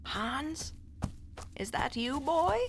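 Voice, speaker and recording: An actress narrating and playing a stern, learned woman classicist, with measured, formal, often hushed storytelling. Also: high-pitched, expressive, noisy background. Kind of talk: audio drama narration.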